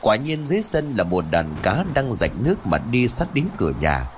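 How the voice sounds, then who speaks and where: A man narrating a ghost story in an animated, dramatic storytelling manner. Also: medium pitch, moderate pace, slight background noise.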